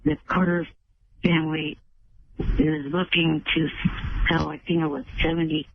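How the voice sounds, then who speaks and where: A man calling in to a radio show, speaking haltingly and earnestly in formally worded phrases. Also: fairly high pitch, little pitch movement, creaky. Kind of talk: phone-in chat. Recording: dull phone call with faint noise.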